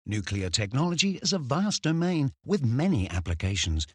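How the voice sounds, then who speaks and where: A man's voice: mid-range voice, big pitch swings, moderate pace, breathy edge, no echo, studio quality. A man working as a voice-over artist, reading scripted commercial and documentary narration.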